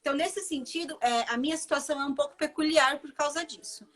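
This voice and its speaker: A woman's voice: high voice, fast talker, fairly bright tone, slight background noise. A Brazilian woman with a Bahian accent, a chef chatting casually as a guest and repeating phrases for emphasis. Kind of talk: casual live conversation.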